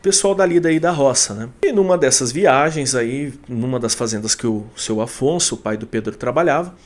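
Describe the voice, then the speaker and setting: A man's voice: medium pitch, lively intonation, normal speed. A man hosting a channel, telling supernatural fishing tales in a loose conversational way with many fillers and restarts. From Brazil. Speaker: storyteller host of a channel. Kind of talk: casual storytelling of supernatural tales.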